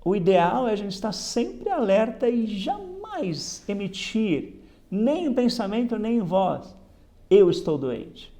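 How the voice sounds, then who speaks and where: Mellow-voiced man teaching scripture. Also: high-pitched, big pitch swings, slow pace. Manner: reflective, repeats "né?" often, reads passages then explains. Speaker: Bible lesson teacher. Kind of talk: spoken Bible lesson commentary.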